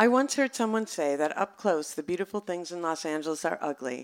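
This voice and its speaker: Speaking with an American accent, a woman has an unremarkable speaking voice, a fairly low pitch, lively intonation and a fairly quick pace. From US Midwest, Minneapolis. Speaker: TV writer and memoirist. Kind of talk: reading aloud and panel Q&A. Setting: bookstore stage with audience.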